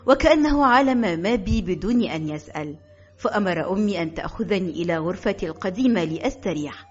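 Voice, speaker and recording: A woman's voice: medium pitch, breathy edge. A woman with an Egyptian accent narrating a first-person audiobook with emotional, dramatic storytelling. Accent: Egyptian Arabic. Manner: emotional storytelling mixing formal Arabic and dialect. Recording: dull, lo-fi audio.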